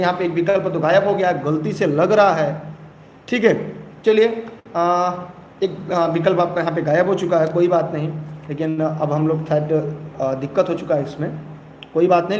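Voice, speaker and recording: A young male teacher with a high voice and an eastern Uttar Pradesh Hindi accent, running a live exam-prep class. He keeps pressing viewers to comment quickly and repeats key phrases. The room is echoey, with a faint hiss behind him.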